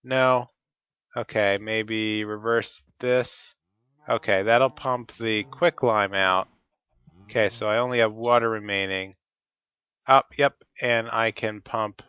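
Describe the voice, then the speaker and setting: A man's voice: lowish voice, steady tone, takes it slowly, clear, resonant tone, dry recording, highs cut off. A man with a stuffy, cold-affected voice, talking methodically through each step of his gameplay. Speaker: Let's Play host. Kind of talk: casual gameplay commentary.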